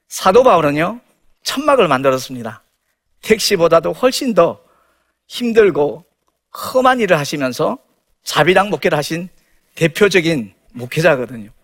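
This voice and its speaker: This man speaks at a moderate pace with long, frequent pauses. His pitch is high and swings very widely. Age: 60s. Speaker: pastor and taxi driver. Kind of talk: testimony.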